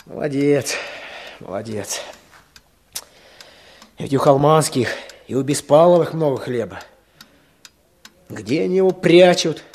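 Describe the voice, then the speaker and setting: An actor playing an earnest, businesslike village man with a husky voice in a radio play. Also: on the high side, lively intonation, a little slow, pauses often, a little mellow. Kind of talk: Soviet radio play acting.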